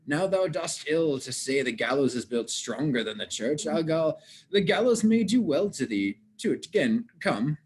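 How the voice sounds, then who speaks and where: A cheerful working gravedigger, acted by a man in a Shakespeare play reading. His voice sits fairly high and swings widely as he teases and argues in mock earnest, blunt and theatrical. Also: very animated, normal speed, a little mellow, slightly rough. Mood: teasing, cocky. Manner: theatrical, teasing, mock-argumentative.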